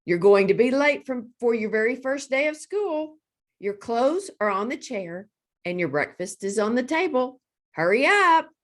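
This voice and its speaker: Lady doing a big bossy mama hippo hollering for her kid, insistent, storybook style, really animated. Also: on the high side, unhurried, voice pushed up. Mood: impatient. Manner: loud, insistent calling. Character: big bossy loving mother hippo, calling loudly.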